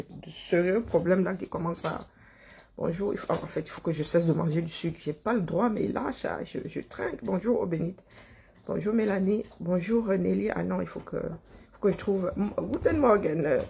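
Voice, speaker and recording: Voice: medium pitch, creaky, darkish tone, slightly rough. A livestream host, chatting casually and greeting viewers by name, rambling and chuckling and stumbling over words.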